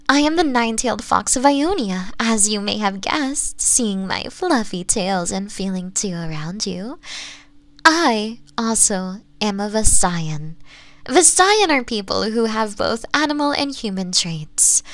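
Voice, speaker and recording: Actress as possessive fox woman for ASMR roleplay: slow, coaxing, teasing, whispery at times, very dry close sound. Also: medium pitch, very animated, dry recording. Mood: affectionate, welcoming. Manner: soft, coaxing, slips into breathy whispers. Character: possessive, flirtatious nine-tailed fox woman, sweetly teasing.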